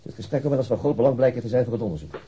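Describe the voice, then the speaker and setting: Man doing a polite brisk police boss in a radio play, very dark voice, noisy recording. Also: mid-range voice, animated, natural voice. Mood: formal. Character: courteous, businesslike male senior police investigator. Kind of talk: Dutch radio crime drama acting.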